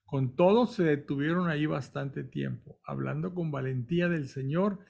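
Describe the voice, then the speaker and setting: A man's voice: on the high side, a little mellow. A man reading scripture aloud and stopping now and then to explain it in plain words, with small restarts. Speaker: Bible reader and commentator. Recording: dull lo-fi recording.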